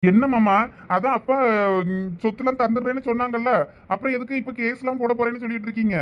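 A man's voice: very high voice, fairly even intonation, quick pace, highs cut off. A man playing a worried young adult son who pleads with his uncle, with a Thoothukudi Tamil accent. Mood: pleading. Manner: pleading, urgent.

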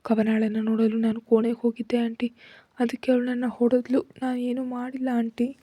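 A woman reading aloud plays a conniving young woman who puts on innocence, her voice a breathy, husky whisper. The delivery is dark in tone and recorded close and dry. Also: fairly high pitch, monotone, normal speed, no echo. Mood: fake-tearful. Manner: whispered, wheedling and sly. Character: scheming young woman faking tears.

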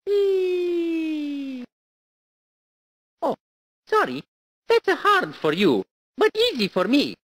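A woman's voice: sits high, sing-song, very slow, long pauses, heavily acted. A woman voicing a cheerful adult male Italian plumber hero in a video game, with an exaggerated Italian accent and a playful, exclamatory manner.

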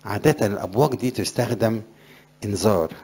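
Rather low-voiced Egyptian priest preaching. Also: male voice, quick pace, warm tone, breathy edge. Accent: Egyptian Arabic. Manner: conversational preaching, rising emphasis on scripture. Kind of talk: sermon to young graduates.

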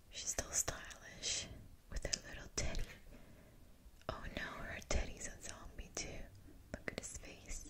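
A woman whispering softly into a close studio mic for an ASMR video, slowly repeating words. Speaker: ASMR creator. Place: small dim room indoors. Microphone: large studio mic close up.

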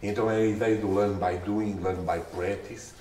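Middle-aged man, European Portuguese accent, animated storyteller with big jumps in pitch; low voice, camera mic far off in an echoey room. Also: moderate pace, a little hiss or hum. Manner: expressive, gestures and laughs often, jumps in pitch when excited. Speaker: book author. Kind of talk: animated storytelling at a book launch. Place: small stone-walled room, indoors.

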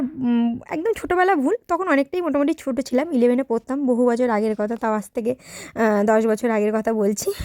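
A woman's voice: high-pitched, darkish tone, no room sound, clean studio sound. A young adult woman narrating her day as a vlogger, chatty and speaking straight to her viewers. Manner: chatty, addresses viewers directly. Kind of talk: casual vlog narration.

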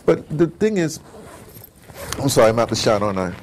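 A man's voice: medium pitch, sing-song, a little fast, a little hiss or hum. A man being interviewed, speaking in an emphatic, digressive way and repeating phrases to drive them home. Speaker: interviewee, audio drama producer. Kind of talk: animated interview conversation.

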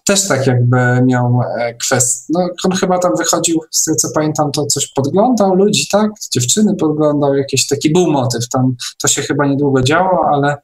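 A man talking casually in an online discussion, in a halting way with repeated and restarted phrases. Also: fairly high pitch. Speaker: discussion participant.

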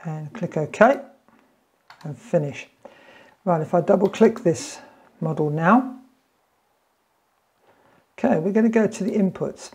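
A man's voice: sits high, slow, long pauses, a little mellow, slightly rough. A man in his fifties giving an informal, plain-spoken step-by-step tutorial in a small room at home. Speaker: tutorial presenter. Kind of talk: informal step-by-step instructional talk.

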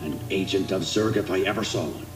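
A man playing an earnest, commanding toy space ranger in an animated film, very serious and heroic. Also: deep voice, a little fast, close to an everyday voice. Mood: resolute. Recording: distant echoey soundtrack under loud music.

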